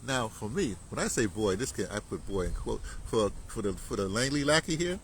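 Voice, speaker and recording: An older man of seventy-five holds forth in a loose, rambling monologue, looping back on himself and dropping in slang. His pitch swings widely as he talks. A faint hiss of noise sits behind him. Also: very animated, a little fast, poor audio. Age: 70s. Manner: rambling, chuckling, uses black slang. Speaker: commentator. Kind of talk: casual monologue.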